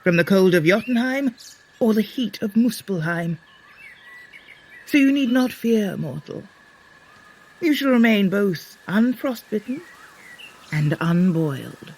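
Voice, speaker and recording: Grave female goddess, measured, gracious, formal fantasy diction, audio drama, birdsong behind. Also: mid-range voice, lively intonation, darkish tone, a little hiss or hum. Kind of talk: scripted audio fitness adventure drama.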